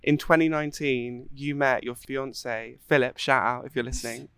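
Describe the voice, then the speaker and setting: A woman hosting a podcast interview outdoors, playful and quick to laugh. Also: extremely low pitch, smooth, no echo, clean studio sound. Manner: lively, playful, laughs easily. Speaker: podcast host. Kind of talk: casual interview. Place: outdoors in the shade.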